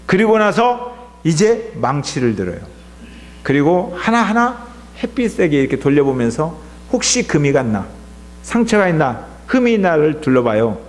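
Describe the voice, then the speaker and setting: A male pastor delivering a Sunday sermon, asking the congregation questions as he preaches. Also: high-pitched. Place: church sanctuary. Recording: long church hall reverb.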